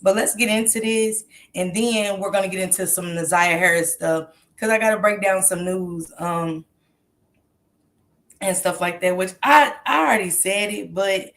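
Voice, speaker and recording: A woman's voice: medium pitch, moderate pace, fairly bright tone. A woman with a stuffy nose hosting a casual livestream, chatting straight to her viewers with lots of ums. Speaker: true crime commentary host.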